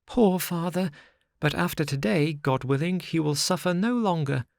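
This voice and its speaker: A high, eager little wooden boy, as a man puts him on for a storybook, his voice lifting with excitement. The sound is close and dry. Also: moderate pace, gravelly, no echo. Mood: proud.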